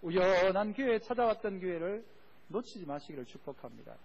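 A man's voice: high-pitched, big pitch swings, a little fast, gravelly, darkish tone. A male pastor, preaching a sermon with call-and-response and questions to the congregation. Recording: dull lo-fi recording.

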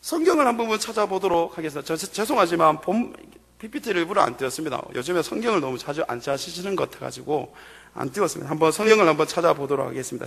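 High-voiced male pastor preaching in a hall. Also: creaky, a bit bright. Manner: preaching with rising, emphatic bursts. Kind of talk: sermon. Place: church sanctuary. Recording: long hall reverb.

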